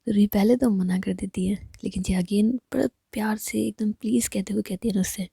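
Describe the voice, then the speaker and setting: A woman's voice: medium pitch, fairly even intonation, fairly quick, gravelly, dark tone, breathy edge, no echo, studio quality. Whispering woman telling a love story. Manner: intimate, mostly whispered narration. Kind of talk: retelling a romance story.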